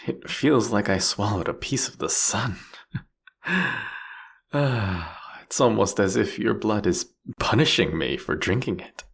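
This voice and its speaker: A man's voice: expressive, measured pace, fairly bright tone, heavily acted. A man playing a seductive, possessive vampire king in an intimate audio roleplay, with a taunting, menacing, whispery delivery. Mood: savoring, pleased. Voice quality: husky, breathy, gravelly low voice.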